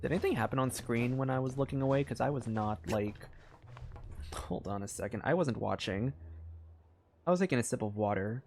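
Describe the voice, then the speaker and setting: A man streaming a game, reacting excitedly and reading game text aloud in casual commentary. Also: medium pitch, fairly quick, slight background noise. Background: faint game music.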